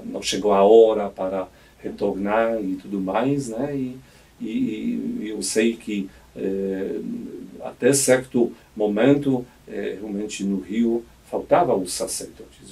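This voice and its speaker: On the low side, with vocal fry and a warm tone, this voice belongs to a Polish auxiliary bishop in his fifties with a Polish accent. He's recorded from a distance on a boom-arm studio mic during a radio interview, reflective and hesitant and frequently starting over.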